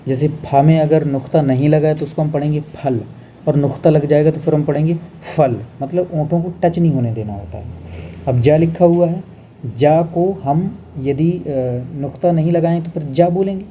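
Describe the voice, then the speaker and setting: A man teaching an exam revision lesson on Hindi grammar, explaining step by step and slowing down to show how words are pronounced. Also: on the high side, warm tone, slight background noise. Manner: explains step by step, often adds "bhai" and "hai na"; drawn-out, slow when showing pronunciation.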